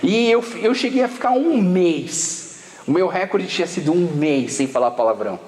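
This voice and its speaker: A man's voice: high-pitched, animated, moderate pace, a little mellow. A Brazilian man with a Brazilian Portuguese accent preaching at a youth camp, telling stories in a casual, joking way full of slang. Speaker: pastor. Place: large hall at a church camp. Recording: echoey hall with long reverb.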